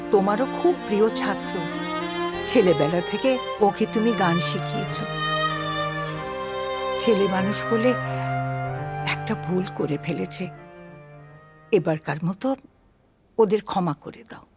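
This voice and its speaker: An actress playing a gentle mother who soothes her daughter and pleads with her husband. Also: mid-range voice, slow pace, long pauses, over loud music, close to an everyday voice. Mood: pleading. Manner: soothing, tearful. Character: tender, pleading middle-aged mother.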